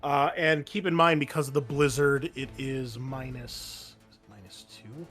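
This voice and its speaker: Guy game mastering an online tabletop rpg, casual explainer, medium pitch, music playing underneath. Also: fairly even intonation, moderate pace, fairly bright tone.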